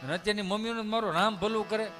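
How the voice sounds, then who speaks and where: A man with a Kathiawadi Gujarati accent, hailing from the Dhari area of Saurashtra, Gujarat, tells folksy comic stories on stage as a stand-up storyteller, chatty and acting out dialogue. He talks very fast in a high voice with a steady tone. The setting is a large hall with music in the background.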